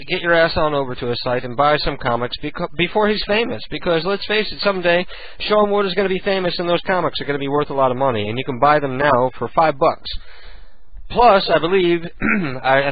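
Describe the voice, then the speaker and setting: A man co-hosting a radio show who talks in a brash, profane, casual way. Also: on the high side. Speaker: radio co-host. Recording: tinny phone-like radio audio.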